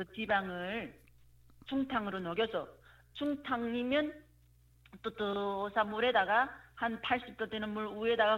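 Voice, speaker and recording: A North Korean accent at a fairly slow pace. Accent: North Korean dialect, still spoken. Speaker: chef, North Korean defector. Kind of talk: interview.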